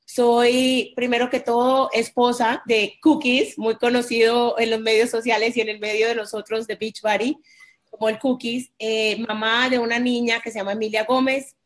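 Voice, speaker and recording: A woman from Colombia in her forties, speaking as an interview guest. Her voice sits a little high, and she tells her own story openly and with feeling. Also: little pitch movement, normal speed. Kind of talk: personal interview.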